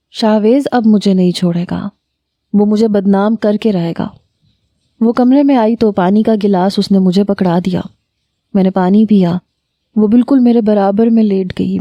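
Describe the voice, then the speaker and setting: A woman narrates a first-person story in a steady, emotive reading. Her voice is dark and mellow. It is recorded dry, with no room sound. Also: mid-range voice, no echo.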